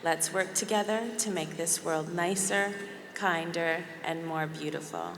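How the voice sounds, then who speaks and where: A woman reading an acceptance speech on someone else's behalf in a measured, formal way. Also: lowish voice, a crowd in the background. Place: banquet hall. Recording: echoey hall with long reverb.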